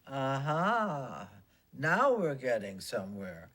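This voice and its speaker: Slow-talking bossy old grandmother ghost. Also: extremely low pitch, full character voice. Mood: bossy, deadpan. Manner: blunt, deadpan, commanding. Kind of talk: broad sitcom acting.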